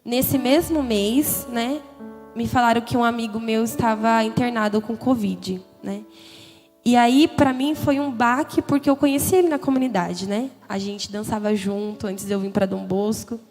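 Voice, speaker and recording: A young woman whose slightly high voice carries a São lilt gives her testimony at a church youth congress at a normal speed. Her delivery is candid, conversational and emotional, with frequent "né?" tags. Long hall reverb surrounds her, and soft music plays faintly underneath.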